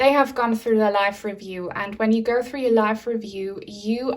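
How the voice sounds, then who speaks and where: Her German accent comes through as a woman speaks at a fairly high pitch. She shows ordinary pitch variation. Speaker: tarot reader. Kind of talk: pick-a-card tarot reading. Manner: hesitant, many fillers.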